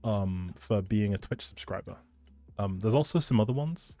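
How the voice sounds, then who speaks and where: A man's voice: fairly low pitch, lively intonation, normal speed, warm tone. A man chatting casually with viewers as a live game streamer, in a laid-back, informal and reassuring way. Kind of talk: casual livestream chat with viewers.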